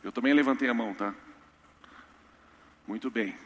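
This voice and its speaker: A man preaching a sermon in a church, humorous and storytelling with lively asides. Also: mid-range voice, moderate pace. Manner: storytelling, humorous, animated impressions. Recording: reverberant church hall.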